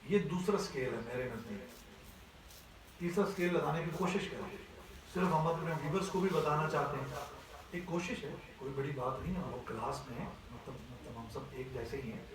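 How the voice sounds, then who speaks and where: A man's voice: fairly high pitch, heavy reverb, distant mic, a crowd in the background, rough recording. A man teaching a class on Quran recitation, explaining step by step and often checking that his students follow. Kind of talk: classroom voice lesson.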